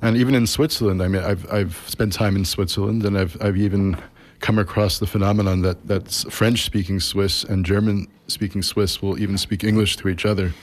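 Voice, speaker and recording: Man, very low voice, interview host, measured questions, thoughtful. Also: steady tone. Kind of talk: radio interview.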